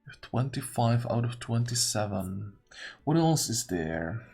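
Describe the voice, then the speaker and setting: Slightly husky man musing through a game. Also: mid-range voice, sing-song, unhurried, a little mellow. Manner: musing, deliberating step by step. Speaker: gamer narrating own playthrough. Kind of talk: casual gameplay commentary, thinking aloud. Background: game music.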